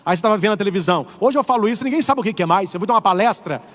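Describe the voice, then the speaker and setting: A middle-aged man with a Brazilian Portuguese accent, a priest preaching an animated, humorous sermon. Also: high voice, very fast, in a large hall. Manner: animated, humorous, acts out voices. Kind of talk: lively sermon.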